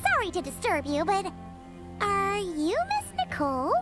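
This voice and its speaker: A pint-sized floating companion from a fantasy game with a very high, sharply bouncing voice. She is cheeky and blunt, always ready to scold someone or fret over an awkward moment. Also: wildly swooping pitch, unhurried, loud music behind the voice, full character voice. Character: tiny floating female companion creature, chirpy, blunt. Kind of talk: video game voice acting.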